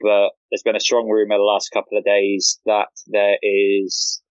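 A man's voice: on the low side, monotone, measured pace, dry recording, highs cut off. A man from the UK, a guest on a casual podcast, who talks hesitantly and often repeats words as he starts a sentence. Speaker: podcast guest, fan account runner.

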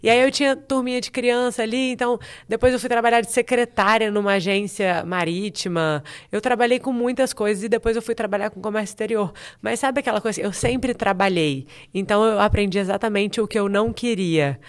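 Smooth-voiced chatty woman in her thirties. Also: mid-range voice, fairly quick, hardly any pauses. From Brazil, grew up in Espírito Santo. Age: 30s. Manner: chatty, lively storyteller who laughs easily. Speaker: podcast guest, TV presenter. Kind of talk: casual interview chat.

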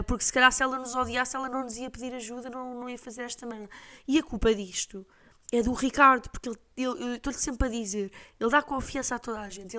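A woman's voice: high-pitched, sharp tone. A woman podcast host with a European Portuguese accent, telling a story in a blunt, exasperated way with casual swearing.

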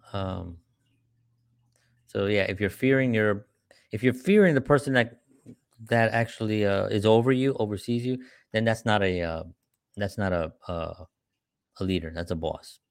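A man's voice: on the low side, unhurried, long pauses, no echo, studio quality. A man giving a casual talk on leadership, chatty and acting out short quoted examples. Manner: conversational, acts out quoted examples.

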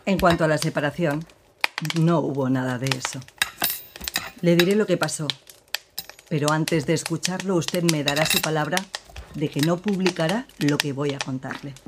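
A woman playing a guarded female opera singer, widow of a fallen man, who speaks in a cool, measured, evasive way in a radio drama. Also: low voice, heavy background noise, close to an everyday voice.

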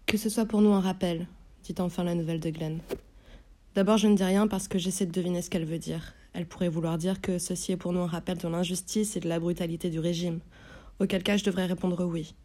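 A woman narrating a novel in first person, in a measured, inward, tense way. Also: fairly low pitch, steady tone, warm tone. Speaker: audiobook narrator.

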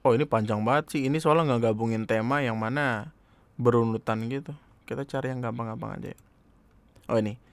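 A man's voice: mid-range voice, fairly even intonation, brisk, gravelly, long pauses, dry recording. A young man reads his own poems and posts aloud in a casual, joking way, laughing and swearing as he goes. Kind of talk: casual monologue reading his own writings.

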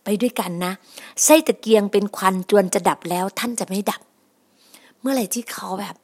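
A woman's voice: mid-range voice, brisk, darkish tone. A woman preaching a sermon on her podcast, emphatic and repetitive, often addressing her listeners as brothers and sisters.

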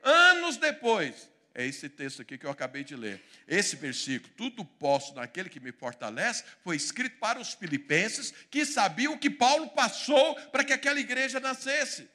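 Male pastor, high, very bright voice; storytelling sermon that drops low then bursts out loud. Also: big pitch swings, moderate pace, hardly any pauses. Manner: storytelling, voices quoted figures, swings from quiet to loud.

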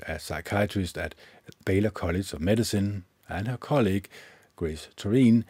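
A man hosting his own podcast, reading a self-help book aloud in a measured way, with occasional slips he corrects himself. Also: sits low, darkish tone, breathy edge, no room sound. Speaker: podcast host. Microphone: own microphone with gain up and low cut filter.

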